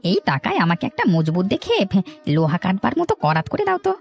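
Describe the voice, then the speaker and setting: A man's voice: sits high, huge pitch swings, brisk, creaky, heavily acted. A man playing a shifty, greedy village man in a cartoon story, nervous, pleading and wheedling. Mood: wheedling, urgent. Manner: wheedling, flustered. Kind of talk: animated cartoon story acting. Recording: music bed under the voice.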